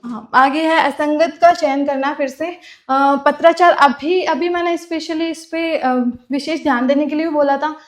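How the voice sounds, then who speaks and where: A woman's voice: sits high, steady tone, measured pace. A woman teaches an exam-prep class. She repeats each term, then asks and answers her own questions. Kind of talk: classroom lecture.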